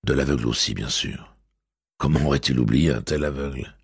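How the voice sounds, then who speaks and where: A man reading a novel aloud as an audiobook narrator, in a measured, steady delivery. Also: extremely low pitch, vocal fry, husky, no room sound, clean studio sound.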